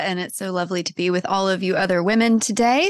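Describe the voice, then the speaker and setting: Fairly quick in pace, a woman with an American accent has a plain, everyday voice, a medium pitch and ordinary pitch variation. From United States. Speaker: media company executive. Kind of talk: panel discussion.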